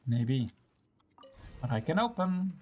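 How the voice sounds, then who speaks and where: Woman, game streamer, very low register, animated intonation; casual, sweary, playfully exasperated running commentary. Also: slow. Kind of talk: casual gameplay commentary, talking to self.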